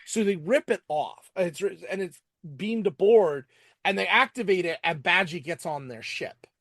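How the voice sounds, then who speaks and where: A man hosting a casual podcast recap, talking in a halting way and often repeating words as he goes. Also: high voice, a bit bright, dry recording, clean studio sound. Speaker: podcast host reviewing TV episodes. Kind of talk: casual episode recap and commentary.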